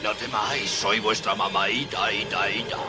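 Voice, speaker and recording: A man voicing a sly wolf who fakes a mother goat's voice, gravelly and wheedling, in a film scene. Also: on the low side, fairly even intonation, moderate pace, over loud music, pitched above the performer's own voice, lightly acted. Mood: coaxing.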